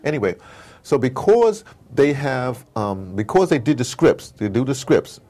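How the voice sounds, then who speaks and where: An American man being interviewed, talking casually as an animated storyteller and often checking in with "you know". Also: medium pitch, a little slow. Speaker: interview guest, audio drama maker.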